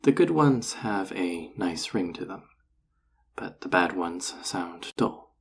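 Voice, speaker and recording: A man playing a flirty, encouraging enchanter boss in an intimate roleplay audio drama, teasing and reassuring in a husky, gravelly voice. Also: low-pitched, expressive, takes it slowly, a little hiss or hum, heavily acted. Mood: patient, instructive.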